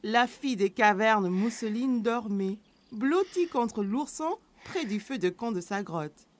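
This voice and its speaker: A woman's voice: a little high, lively intonation, measured pace, a little hiss or hum. A woman narrator reading a scripted French children's cartoon story, with music behind her.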